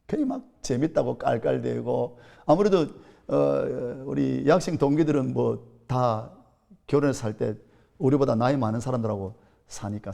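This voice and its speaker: A mellow, medium-pitched voice with vocal fry belongs to a Gyeongsang-accented pastor in his fifties. He preaches an earnest sermon built on storytelling, rising now and then to emphatic peaks.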